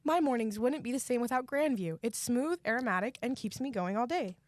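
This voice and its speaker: High-voiced woman in an advert. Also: animated, fairly quick, slight background noise. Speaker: advert testimonial speaker. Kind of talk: scripted commercial testimonial.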